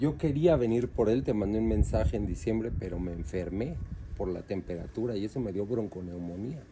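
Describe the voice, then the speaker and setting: A man talks in a fairly low voice. His pitch swings very widely. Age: 40s. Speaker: mechanic. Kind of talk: casual chat.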